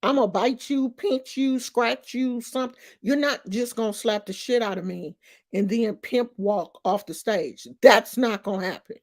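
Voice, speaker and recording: Slow-talking emphatic woman in her fifties. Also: fairly high pitch, a little mellow. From Oakland, California. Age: 50s. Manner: emphatic, streetwise storytelling. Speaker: vlogger. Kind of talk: casual commentary vlog.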